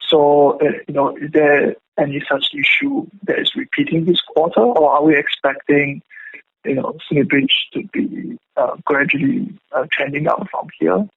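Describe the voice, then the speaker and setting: A husky, gravelly male voice, a little high in pitch, comes over a thin telephone line. He is an analyst putting questions to company management. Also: expressive, moderate pace. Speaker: caller, financial analyst. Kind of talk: asking questions on an earnings call. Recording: narrow-band telephone line.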